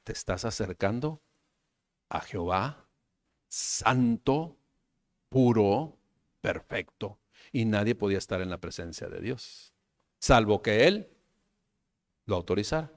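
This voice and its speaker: A pastor with a Mexican Spanish accent preaching a sermon, animated, often checking with his listeners and calling them brothers. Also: on the low side, takes it slowly, long pauses, no echo, clean studio sound.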